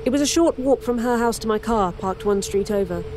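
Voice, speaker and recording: A woman narrating a horror audio drama in first person, measured and introspective. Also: fairly high pitch, darkish tone, slight background noise. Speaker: narrator and lead character.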